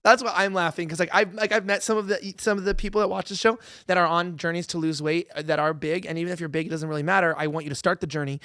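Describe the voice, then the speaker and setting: A man's voice: high voice, steady tone, fast, hardly any pauses, bright, forceful tone, dry recording, clean studio sound. A young man hosting a casual show, rambling and correcting himself as he reads viewer comments. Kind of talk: casual chat.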